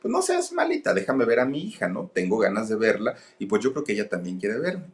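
A man voicing an angry, volatile middle-aged man who shouts and then wheedles. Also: fairly low pitch, wildly swooping pitch, fairly quick. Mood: wheedling.

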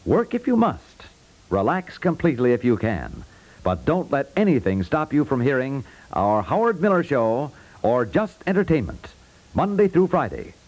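A man reading a scripted 1950s network radio promo as an announcer, with polished, measured salesmanship. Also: mid-range voice, huge pitch swings, darkish tone, rough recording.

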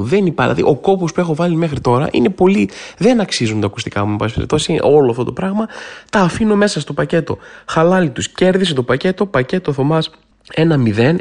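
A man hosting a podcast, telling a funny personal story in a comic monologue and acting out the voices in his head. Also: medium pitch. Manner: animated storytelling, acts out inner voices. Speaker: podcast host.

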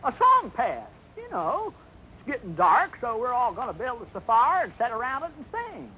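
A man playing an excitable, boastful ranch hand with a folksy, exclamatory manner in a 1950s radio western. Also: extremely high pitch, normal speed, full character voice. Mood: eager, boastful. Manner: folksy, exclamatory, chuckling at himself. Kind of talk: 1950s radio drama acting. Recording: dull, faintly noisy 1950s radio recording.

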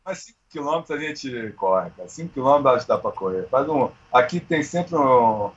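A man of around sixty with a husky voice, chatting informally and slangily as he tells stories. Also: medium pitch, animated, a little fast, dull audio. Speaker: amateur triathlete, interview guest. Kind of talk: casual chat, storytelling.

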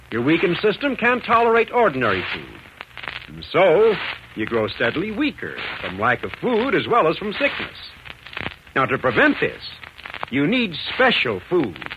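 An American man working as a 1940s radio announcer, delivering sponsor pitches and serial narration in an earnest, emphatic way. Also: huge pitch swings, normal speed. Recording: noisy, muffled 1940s radio recording.

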